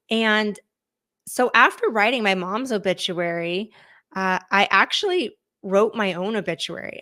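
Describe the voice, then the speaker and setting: A woman with a hoarse voice from laryngitis, speaking as a guest author in an earnest, reflective interview, thinking aloud as she goes. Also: mid-range voice, a bit bright.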